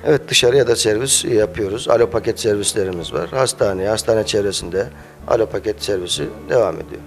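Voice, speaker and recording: A man's voice: fairly low pitch, a little fast. Hesitant man answering questions. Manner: hesitant, with frequent "ee" fillers. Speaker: cafe owner. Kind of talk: casual interview answers. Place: small cafe indoors. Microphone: handheld mic held by interviewer. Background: faint music.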